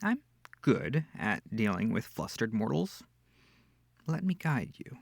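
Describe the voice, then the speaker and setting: A man plays a smug male incubus demon, seductive and theatrical, in an ASMR audio roleplay. His voice is gravelly and unhurried, teasing the listener from very close in a dry, echoless space. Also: fairly low pitch, very animated, exaggerated voice. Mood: seductive, menacing. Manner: theatrical, teasing, purring, breathy asides.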